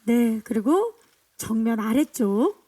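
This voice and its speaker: A woman's voice: on the high side, sing-song, takes it slowly, mellow. A woman hosting a press screening, cheerfully guiding guests through photo poses and introductions. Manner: upbeat, directing photo poses. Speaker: event host. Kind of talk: press event emcee.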